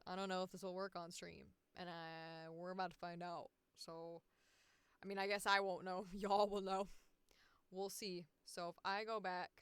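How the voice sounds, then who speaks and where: A woman's voice: mid-range voice, a bit bright, smooth, dry recording. A woman hosting a livestream as a voice actor, chatting casually and thinking aloud.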